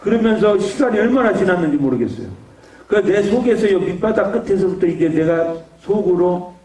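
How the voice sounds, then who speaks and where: Animated male evangelist in an echoey hall. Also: high-pitched, brisk. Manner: vivid storytelling, acting out scenes. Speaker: evangelist giving testimony. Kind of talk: testimony sermon. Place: prayer retreat hall. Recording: echoey hall, voice far from mic.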